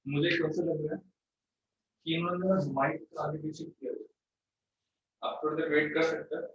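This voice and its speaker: A man teaching in a fairly high voice, with his words bouncing back in a heavy canyon-like echo. He sounds distant from a studio mic, with faint noise underneath. He talks in a straight, firm and blunt way. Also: fairly even intonation, normal speed, lo-fi sound. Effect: heavy echo, as if shouting in a canyon. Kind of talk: live online electronics class.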